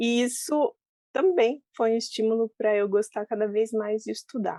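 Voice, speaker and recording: With a Curitiba accent, a woman speaks at a fairly high pitch with ordinary pitch variation. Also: moderate pace, dry, close sound with no echo. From Curitiba, southern Brazil. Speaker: pharmacist. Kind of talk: interview.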